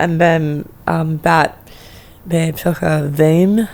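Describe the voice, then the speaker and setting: Over noticeable background noise, a woman with a very deep, low pitch speaks at a very slow pace. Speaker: cancer survivor. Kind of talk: interview. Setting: studio.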